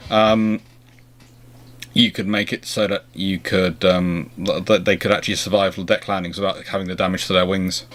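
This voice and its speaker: A man's voice: sits low, flat delivery, moderate pace, a bit bright. A British man hosting a history question and answer chat, rambling and rephrasing as he thinks aloud. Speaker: host of a naval history question and answer show. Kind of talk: casual rambling explanatory chat.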